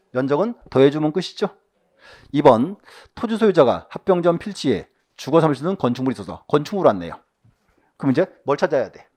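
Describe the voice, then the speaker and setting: Man, exam-prep lecturer, fairly high voice, very animated pitch, rhetorical questions, quiet asides. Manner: reads questions aloud then quizzes listeners with quick rhetorical questions.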